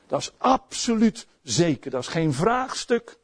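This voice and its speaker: A middle-aged pastor with a Dutch accent preaches a sermon with great energy, his voice sitting high. He moves from soft, quiet asides to loud, emphatic outbursts, with big pitch swings at a measured pace.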